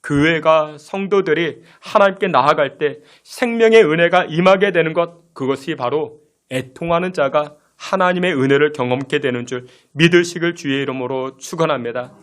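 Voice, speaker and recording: A man's voice: on the high side, moderate pace, a bit bright. A male pastor preaching a sermon, emphatic, posing rhetorical questions and acting out the complaints of his listeners.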